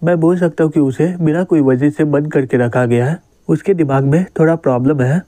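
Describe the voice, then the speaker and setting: A man voicing a cheeky teenage schoolboy with x-ray vision who is quick to talk back, in a manga recap. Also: a little high, mellow, dry recording, natural voice.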